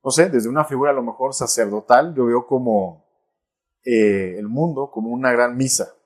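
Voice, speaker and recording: A man's voice: medium pitch, moderate pace. A man, a Catholic priest, talking reflectively in a casual interview with many restarts and a habit of tagging "¿no?". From Mexico. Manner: reflective, frequent tag "¿no?" and restarts.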